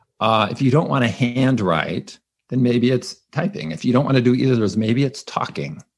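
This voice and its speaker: A man with an American accent and a medium pitch talks with vocal fry. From California, US. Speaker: behavior scientist and author. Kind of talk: interview.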